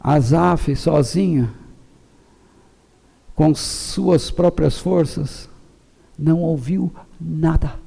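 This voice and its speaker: A middle-aged man with a Brazilian Portuguese accent, preaching a passionate sermon as pastor, shouting at peaks and then dropping low and calm. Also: drawn-out words, gravelly, long pauses, breathy edge.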